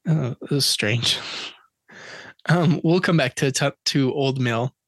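A man's voice: mid-range voice, slow pace, a bit bright, dry recording, studio quality. A man co-hosting a podcast in casual chat, reading out dates and facts with jokes along the way. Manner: chatty, joking, reads facts and dates aloud. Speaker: podcast co-host.

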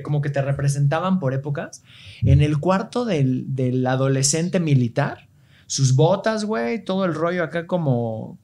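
A man with a Mexican accent telling travel stories in an animated way, heavy with slang, in a casual podcast chat. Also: on the high side.

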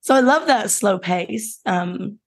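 Husky-voiced Australian woman guest. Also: medium pitch, expressive, takes it slowly. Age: middle-aged. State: husky, not her normal voice. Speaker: guest, business founder. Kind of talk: casual interview chat.

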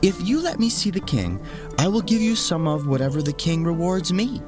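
Man as a kind storybook noblewoman, raised pitch, gracious, earnest, lively melody. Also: normal speed, music in the background. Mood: earnest pleading. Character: kind, generous, dreamy noble lady.

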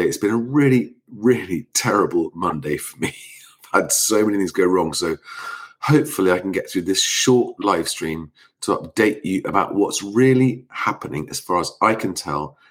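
Male streamer, lowish voice, slightly congested, informal commentary kept hushed for a sleeping household at night. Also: lively intonation, moderate pace. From Sussex, England. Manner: speaking quietly at night so as not to wake sleeping children. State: slight cold. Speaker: live stream host. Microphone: close microphone.

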